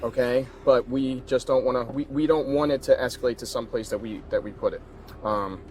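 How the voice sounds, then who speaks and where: A man working as a police officer talks in a mid-pitched voice, explaining an arrest in casual, reassuring terms. He restarts and repeats phrases as he goes, recorded on a bodycam outside near a vehicle. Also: fairly even intonation, a little fast, darkish tone, a little hiss or hum. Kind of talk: casual explanatory talk to a person being arrested. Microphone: body-worn camera. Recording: bodycam audio with vehicle sounds.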